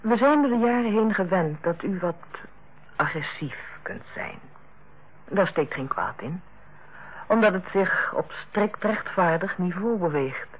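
An actress playing a tactful, composed middle-aged hospital director in a Dutch radio play, speaking in a measured, formal way. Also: female voice, on the low side, lively intonation, husky. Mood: diplomatic, firm. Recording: tinny, narrow-band old radio recording.

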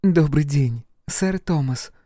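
Man voicing a young commoner girl, polite, humble, raised pitch, close dry sound. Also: takes it slowly, no room sound. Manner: respectful, soft, humble.

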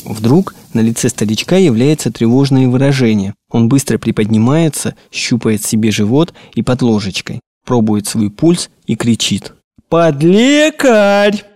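A man reading classic prose for an audiobook in an expressive, measured narration. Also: medium pitch, dry recording, studio quality. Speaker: audiobook reader. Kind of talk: scripted narration.

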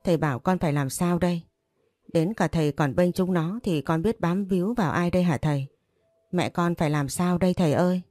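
Woman doing an hysterical grieving daughter, storybook figure, shrill accusations, low mellow tone, dry sound. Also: fairly quick, no echo, lightly acted. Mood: pleading. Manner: shrill accusing rants, sobbing pleas.

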